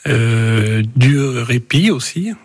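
A man speaks as a guest on a radio show, in a halting and plain way. His voice is gravelly with a husky edge. The recording is close and dry. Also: medium pitch, expressive, a little mellow, no room sound. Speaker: family caregiver, guest.

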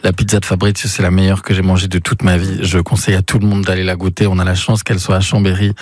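Fast husky enthusiastic man. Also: sits low, level tone, no room sound, studio quality. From Savoie, France. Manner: enthusiastic, emphatic praise. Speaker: theatre director guest.

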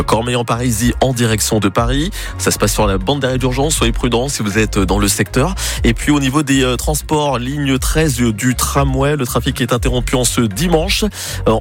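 A man presenting a morning radio show, upbeat and announcing traffic and the next segment. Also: medium pitch. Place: radio studio.

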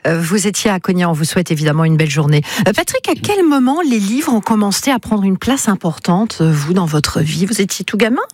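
Radio host, chatty and warm on air, close dry studio mic, lots of "euh". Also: medium pitch, very animated, brisk, few pauses, dry recording. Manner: chatty, many fillers and restarts. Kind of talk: live radio call-in show. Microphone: studio microphone.

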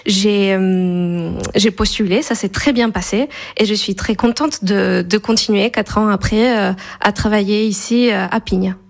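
A woman's voice: medium pitch, measured pace, vocal fry, hardly any pauses. A woman from Spain in her thirties with a Spanish accent, answering radio interview questions with many fillers and restarts. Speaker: festival staff guest.

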